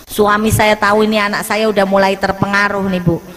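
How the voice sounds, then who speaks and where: A woman preacher telling a story in a sermon, animated and acting out the dialogue. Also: medium pitch, a little fast, big-room sound, a little hiss or hum. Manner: animated, acts out dialogue, mixes in Javanese.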